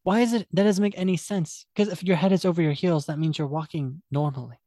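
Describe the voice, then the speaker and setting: A man's voice: on the high side, quick pace, warm tone, no echo, studio quality. A man co-hosting a podcast over a video call, chatting casually and teasing his co-host, speaking English as a second language. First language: not English. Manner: teasing, playful, laughs often. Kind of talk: casual chat.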